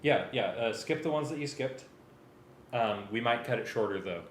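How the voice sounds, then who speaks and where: A man's voice: mid-range voice, expressive, normal speed, a little hiss or hum. Hesitant man in a roomy space. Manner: hesitant, thinking aloud. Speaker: music arranger directing a rehearsal. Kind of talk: casual working conversation. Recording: roomy sound with music playing.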